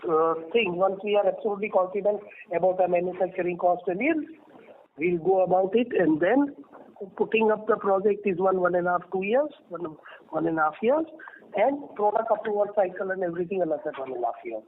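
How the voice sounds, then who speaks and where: An Indian-accented man with a high-pitched voice speaks over a narrow, tinny phone conference line. He is a company executive giving unscripted answers, emphatic and prone to repeating phrases for stress. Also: fairly quick, slight background noise. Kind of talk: unscripted answers on an earnings call. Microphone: telephone.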